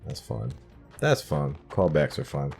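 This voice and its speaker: A man with an extremely low-pitched voice talks through a video game playthrough. He is laid-back and casual, often muttering short remarks to himself. Game music plays softly behind him. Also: big pitch swings, a little slow, creaky. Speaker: gaming streamer playing through a game.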